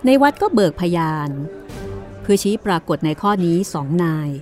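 A woman's voice: mid-range voice, sing-song, moderate pace, darkish tone, faint music behind, a faint crowd. A woman narrating a courtroom mystery story in a storytelling style.

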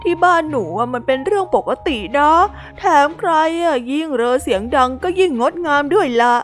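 A shy young hippo girl from a storybook, as a woman puts her on, speaking in a soft, polite, apologetic way. The voice sits high and bright above the narrator's own. Faint music plays underneath. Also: animated, moderate pace. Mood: innocent. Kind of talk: storybook role-play.

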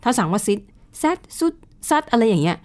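A woman's voice: medium pitch, very fast, a little mellow. A woman co-hosting a casual news chat show, explaining with examples and adding polite particles. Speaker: radio news co-host.

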